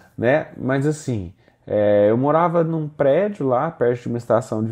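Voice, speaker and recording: Here a man of medium pitch talks at a fairly slow pace. His intonation is lively. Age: 20s. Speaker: entrepreneur, former exchange student. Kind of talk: casual interview chat. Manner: halting, many repetitions.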